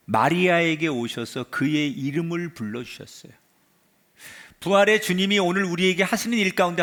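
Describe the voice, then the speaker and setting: Korean pastor preaching a dramatic sermon. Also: male voice, on the high side. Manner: dramatic storytelling, drops to a hush at phrase ends. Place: church sanctuary.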